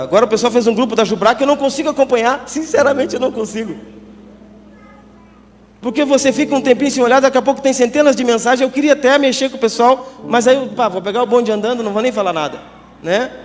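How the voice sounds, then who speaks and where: High-voiced joking pastor. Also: male voice, fast. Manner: chatty and joking, many tag questions. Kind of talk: sermon at a youth congress. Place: church congress hall. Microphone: handheld microphone. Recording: reverberant hall with background music.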